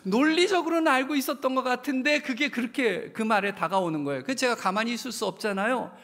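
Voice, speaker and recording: A man in his fifties preaching in a church sanctuary, with a fairly high voice and a gravelly edge. He tells stories in a plain, personal way and his voice swells louder when he reaches a point of feeling. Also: fast talker. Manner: storytelling, swelling louder at emotional peaks. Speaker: pastor. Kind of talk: sermon.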